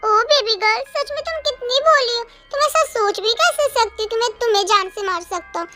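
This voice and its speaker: High young voice playing a psycho lover, coaxing then menacing. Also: brisk, pushed and bright. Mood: mock-sweet. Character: obsessive psychopathic young man in love. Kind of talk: fan audio drama voicing. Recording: music bed under the voice.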